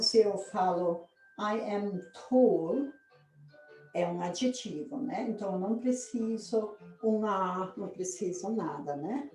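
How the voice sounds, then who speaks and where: A Brazilian woman teaching English in Portuguese, reading English model sentences slowly and asking "né?" to check understanding. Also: mid-range voice, mellow. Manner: slow, drawn-out model sentences with frequent "né?" checks. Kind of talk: online English lesson. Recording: echoey room with faint music.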